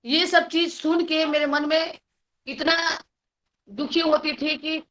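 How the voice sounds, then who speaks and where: A woman's voice: high voice, fairly even intonation, slow, fairly bright tone. A woman with a Chhattisgarhi accent, speaking as a guest and telling her life story earnestly, acting out the voices of the people she quotes. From Chhattisgarh, India. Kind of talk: personal life story talk. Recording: dull lo-fi recording.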